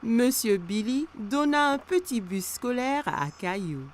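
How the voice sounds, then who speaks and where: A woman giving scripted storybook narration for a children's cartoon, expressive and aimed at young listeners. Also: fairly high pitch, unhurried.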